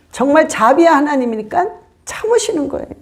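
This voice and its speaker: An animated tone with very wide pitch swings comes through amid audible room echo. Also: woman. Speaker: pastor. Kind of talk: sermon.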